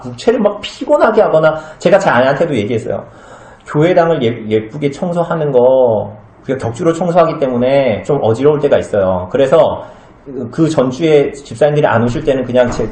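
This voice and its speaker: A pastor with a medium-pitched, expressive, slightly mellow voice preaches a little fast in an echoey small church hall. Speaking conversationally, he poses questions to the congregation and performs brief comic scenes with altered voices.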